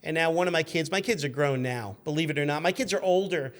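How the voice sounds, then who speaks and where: A man in his fifties with a voice pitched a bit high for a male. He talks as a relaxed guest swapping stories, full of asides and self-corrections. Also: quick pace. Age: 50s. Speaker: guest, car magazine editor. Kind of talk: casual conversational storytelling.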